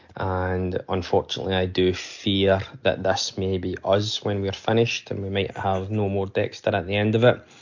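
A man talks at a moderate pace with a Scottish accent, hardly pausing at all. His intonation is monotone and flat. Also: fairly low pitch for a man. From Scotland. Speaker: podcast listener. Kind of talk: voicemail feedback. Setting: recorded voicemail.

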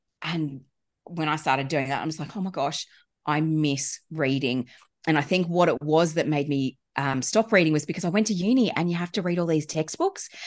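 Over a quiet background, a woman with an Australian accent speaks at a very deep, low pitch with ordinary pitch variation. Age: 30s. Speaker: time management coach. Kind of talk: podcast interview.

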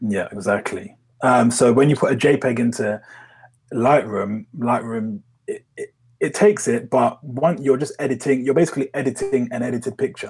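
A man with a medium pitch talks at a moderate pace. His voice is somewhat breathy, with lively intonation. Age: 20s. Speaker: freelance cameraman and photographer. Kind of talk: casual interview chat. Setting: video call.

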